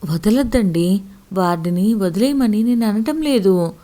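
A woman voicing a worried, devoted middle-aged village wife who pleads gently with her husband. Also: mid-range voice, unhurried, close to an everyday voice. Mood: anxious.

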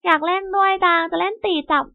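A woman voicing a playful little girl who speaks in a high, excited, childish way. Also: fairly quick. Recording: tinny phone-like sound.

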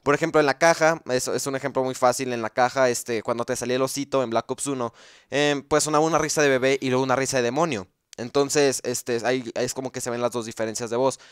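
A man's voice: mid-range voice, steady tone, fast, smooth, no room sound, clean studio sound. A man gives casual commentary explaining video game lore. He thinks aloud, with frequent fillers and restarts.

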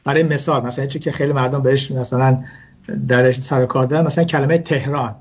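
A man's voice: medium pitch, fairly even intonation, slightly rough, dull audio. A man explaining religious wedding customs in a talk show, hesitant, with many fillers and restarts. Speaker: guest speaker on Jewish customs.

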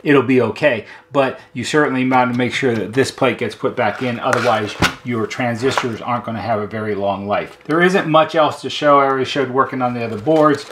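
A middle-aged American repair technician with a mid-range, fairly bright voice gives an unscripted hands-on demonstration at a workshop bench indoors. He explains methodically and in plain language.

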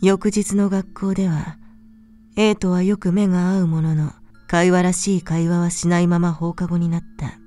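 Low, mellow woman narrating a ghost story. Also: little pitch movement, moderate pace.

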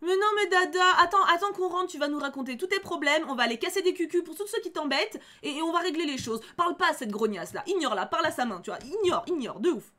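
A young woman streamer giving casual game commentary in an animated, teasing, chatty way. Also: very high voice, fast talker, few pauses. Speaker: let's player and streamer.

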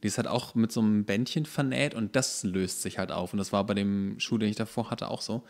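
Dry, low-voiced man with creaky tone. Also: fairly quick. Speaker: podcast co-host. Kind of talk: casual comedic chat.

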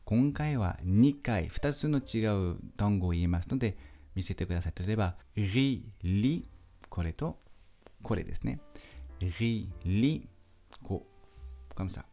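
A man teaching a pronunciation lesson, speaking slowly and patiently and repeating sounds for the listener to pick out. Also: fairly low pitch, animated, warm tone, faint music behind. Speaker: French teacher. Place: language school.

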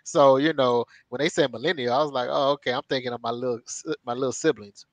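A man's voice: medium pitch, fairly even intonation, fast talker, no echo, rough recording. A man in his thirties co-hosting an interview over a video call, chatting loosely with lots of fillers and asides. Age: 30s. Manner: chatty, rambling with many fillers and laughs. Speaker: co-host. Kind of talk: casual interview chat. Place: home room on a video call. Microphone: headset on a video call.

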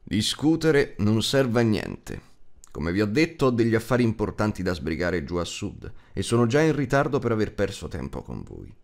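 Stern old male wizard, acted by a male narrator, audiobook, emphatic warnings, very animated intonation. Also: fairly low pitch, normal speed, creaky. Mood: firm, encouraging. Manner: emphatic, admonishing. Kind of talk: audiobook character acting.

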